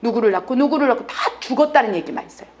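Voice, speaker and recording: A woman missionary pastor preaching with fervor and drama. Her voice sits high and bright, and she drops to a hush at times for effect. The delivery is earnest and insistent. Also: animated, rapid-fire. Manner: fervent, dramatic preaching with sudden soft drops. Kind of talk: sermon.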